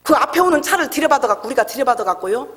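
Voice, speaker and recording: A woman's voice: high voice, expressive, racing, a bit bright. A middle-aged woman pastor giving an emotional testimony sermon in a church, acting out the voices in her story. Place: church sanctuary. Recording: echoey church hall.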